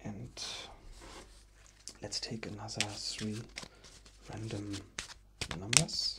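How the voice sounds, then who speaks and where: Soft-spoken and very slow, a man leaves long, frequent pauses. Loud background noise runs throughout. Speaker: ASMR creator teaching math. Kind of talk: ASMR math tutorial. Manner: soft-spoken, relaxing. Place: home room.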